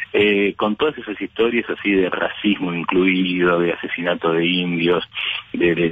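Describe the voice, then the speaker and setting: Recorded dry with no echo, a man speaks at a very deep, low pitch. His pace is fairly slow. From Argentina, Patagonia (Perito Moreno, Santa Cruz); Santa Cruz, Argentina. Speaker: political commentator and historian; political commentator. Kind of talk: radio interview column. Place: studio. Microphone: line interference.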